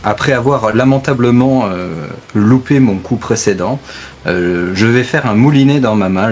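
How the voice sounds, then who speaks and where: A man's voice: fairly low pitch, darkish tone, a little hiss or hum. A man playing a tabletop role-playing game, casually describing his moves in a hesitant, searching way. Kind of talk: casual role-play chat. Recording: music laid under the voice. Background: background music.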